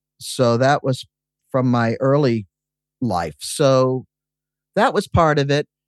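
In an American accent, a man speaks at a very slow pace, with a dry, close sound with no echo and a quiet background. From Massachusetts. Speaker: memoirist and rock musician. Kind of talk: interview conversation.

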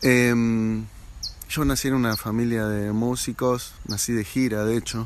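Fairly slow pace with monotone, flat intonation. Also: man, medium pitch for a man. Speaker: folk musician and DJ. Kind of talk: recorded interview.

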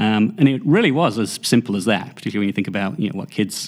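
A man with an English accent speaks in a fairly low voice with lively intonation. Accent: English accent, noticeable to American host. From southern England, Winchester near Southampton. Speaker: soccer marketing agency founder. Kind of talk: interview. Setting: office.

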